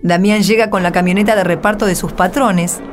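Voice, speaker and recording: A woman's voice: mid-range voice, fairly even intonation, fairly quick. Argentine woman narrating over music. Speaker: narrator and radio announcer reading the Gospel. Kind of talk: scripted radio drama narration. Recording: background music under the voice.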